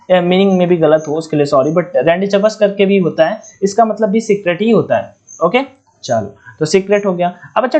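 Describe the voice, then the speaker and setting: A man's voice: high voice, a little mellow, muffled recording. A man from India with a Hindi accent teaching English vocabulary in an online exam-prep lesson, spelling words out letter by letter and repeating key points.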